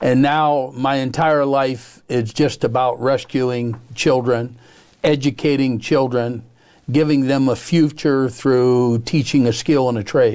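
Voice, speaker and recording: At a very slow pace, a man speaks with a medium pitch. His loudness stays very even and his intonation fairly even. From US, North Dakota. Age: 60s. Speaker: social activist, charity founder. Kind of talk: TV interview. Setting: studio.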